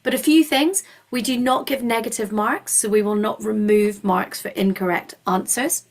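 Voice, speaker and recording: A woman's voice: medium pitch, steady tone, normal speed. Scottish woman, webinar host. Informal, explanatory delivery, encouraging and reassuring, mid-range voice. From Scotland.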